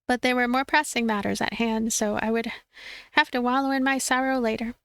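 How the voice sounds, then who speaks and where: A woman reading a visual novel aloud as a let's play streamer, expressive and playful, with commentary. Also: on the high side, fairly quick, clear, resonant tone, no room sound. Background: game music.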